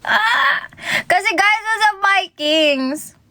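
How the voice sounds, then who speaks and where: A young woman with a Filipino accent talks to her livestream viewers from her phone. Her voice sits high and swoops widely, and she takes her time. She is chatty and giggly, and greets people by name as they come in. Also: expressive, measured pace, no room sound. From Philippines. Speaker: idol livestreamer. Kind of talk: casual livestream chat.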